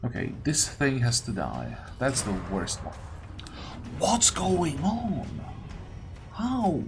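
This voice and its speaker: Man, casual gameplay commentary, slow pace, highly varied pitch, thinking aloud, muttered questions, music in the background. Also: wildly swooping pitch, creaky. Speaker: gaming video host. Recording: game music behind the voice. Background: video game music.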